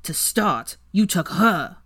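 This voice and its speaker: An angry, vehement man spitting bitter accusations through clenched teeth, put on by a low-voiced woman narrator. He snarls with hatred and blame, louder than the narration. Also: very animated, slow pace, exaggerated voice.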